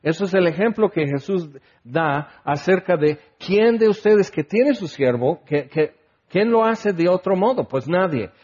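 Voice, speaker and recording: A man with a Mexican Spanish accent teaching from the Bible in a loose, chatty tone, his voice sitting a little high for a man. He talks as if to friends. The recording sounds dull and lo-fi. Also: expressive, measured pace, darkish tone, slightly rough. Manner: conversational, acts out quoted people with a raised voice. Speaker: preacher.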